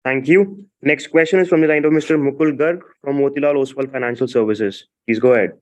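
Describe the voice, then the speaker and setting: A man's voice: mid-range voice, a little fast. A man working as a conference call operator, making formal scripted announcements.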